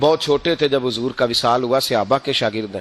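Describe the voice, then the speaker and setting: The sound is dry and close with no echo as a man with a fairly high voice speaks, his pitch varying in an ordinary way. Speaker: Islamic preacher delivering a religious sermon. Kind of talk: Islamic sermon (bayan) on saints' stories, delivered to an audience. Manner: passionate, preaching, emphatic.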